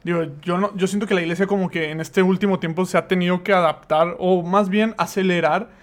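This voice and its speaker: A man's voice: sits high, steady tone, brisk. A Mexican man co-hosting a podcast, chatty, curious and enthusiastic, using casual slang. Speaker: podcast co-host.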